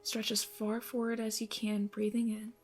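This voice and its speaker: A woman playing a gentle, encouraging yoga instructor in an ASMR roleplay, giving soothing, breathy instructions that often soften toward a whisper. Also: fairly high pitch, level tone, normal speed, faint music behind, close to an everyday voice. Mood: calm, encouraging. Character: gentle, encouraging female yoga instructor leading a morning class.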